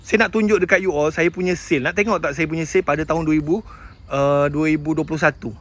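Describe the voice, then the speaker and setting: A man's voice: a little high, steady tone, fast talker, fairly bright tone. A man with a Malaysian Malay accent giving an emotional motivational talk about his own struggles, often calling out to his listeners and mixing in English words. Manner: emotional storytelling, addresses listeners as tuan-tuan, mixes in English words. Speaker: sales agent sharing his story.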